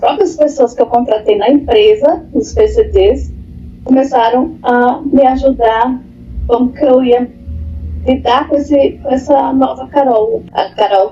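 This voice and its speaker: Over noticeable background noise, a woman talks very slowly in a high pitch with ordinary pitch variation. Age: 40s. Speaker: HR professional, blind after stroke. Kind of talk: documentary interview testimony. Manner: halting, with self-corrections.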